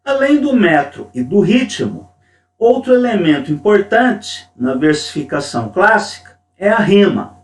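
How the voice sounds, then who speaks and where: A male teacher with a fairly high, lively voice explains poetic rhythm at an unhurried, deliberate pace. He picked up by a distant mic in an echoey room. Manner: slow, deliberate, stresses syllables when reading verse. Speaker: creative writing teacher. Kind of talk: lecture on poetry.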